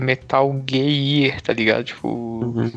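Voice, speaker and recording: Mumbled speech at a fairly slow pace over noticeable background noise. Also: man. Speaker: podcast co-host. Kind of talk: casual chat. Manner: mumbling.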